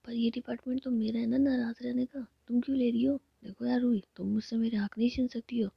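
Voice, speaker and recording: A woman's voice: a little high, steady tone, fast talker, gravelly, breathy edge, no room sound, full character voice. A woman voicing a playful, teasing young woman who coaxes her partner in a whisper. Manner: whispered, coaxing. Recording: dull lo-fi recording.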